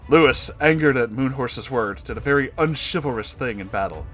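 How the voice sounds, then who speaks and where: A man's voice: mid-range voice, animated, brisk, a bit bright, soft background music. A man narrating a comedic story in a dramatic, amused reading style. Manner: amused, breaking into laughing asides.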